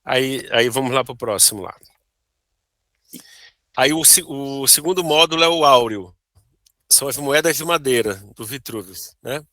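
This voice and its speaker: A Brazilian man with a bright, forceful voice walks through his board game design, stopping to check in with "né?" and "tá bom?". The sound is dry and close, with no room around it. It comes across as a video call. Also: medium pitch, moderate pace, pauses often, dry recording. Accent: Brazilian Portuguese. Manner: explains with frequent "né?" and "tá bom?". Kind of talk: casual interview chat.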